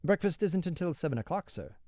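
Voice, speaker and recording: A man's voice: on the high side, very animated, moderate pace, darkish tone, no room sound, clean studio sound. A man voicing a cheerful, rambling prison warder who keeps calling people sir, his voice lifted above his own. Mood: polite. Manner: rambling, deferential, says "sir" constantly. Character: cheerful chatty male prison warder, polite.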